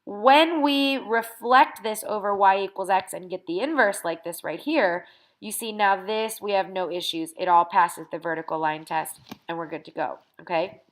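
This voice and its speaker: A woman teacher with a mid-pitched voice, a little congested and sniffly, talking through a math lesson into a computer mic. She explains patiently and keeps checking in with her students as she works through the notes. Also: normal speed, poor audio. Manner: patient, explanatory, frequent "okay?" check-ins. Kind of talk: recorded math lesson over scanned notes.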